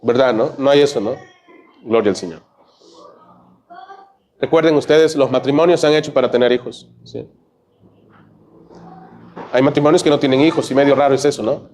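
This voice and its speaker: A man with a Peruvian Spanish accent preaching a church sermon, peppering his points with quick "¿ve?" and "¿no?" asides to the congregation. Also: medium pitch, darkish tone, slight background noise. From Peru. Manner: conversational preaching, frequent "¿ve?" and "¿no?" asides. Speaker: pastor. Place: church sanctuary.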